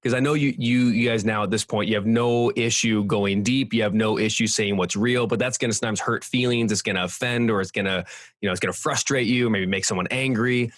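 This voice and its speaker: A man's voice: fairly low pitch, steady tone, a little fast, no echo. A man hosting a podcast, talking casually and sometimes searching for his words. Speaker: podcast host. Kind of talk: conversational interview.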